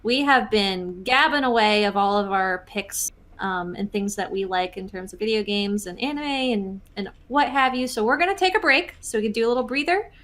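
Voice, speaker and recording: A woman co-hosts a podcast in a loose, casual chat. She talks at an ordinary middle pitch, stops and restarts her sentences, and fills gaps with lots of little fillers. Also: lively intonation, moderate pace, few pauses, a bit bright. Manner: chatty, heavy on fillers and restarts. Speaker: podcast co-host.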